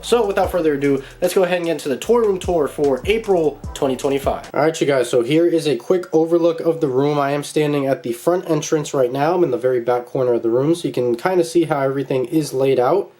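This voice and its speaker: Chatty man a bit nasal from a cold. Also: on the high side. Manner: chatty and relaxed, with frequent fillers. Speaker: collector showing his toy room. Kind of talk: casual room-tour vlog. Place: indoor toy room at home.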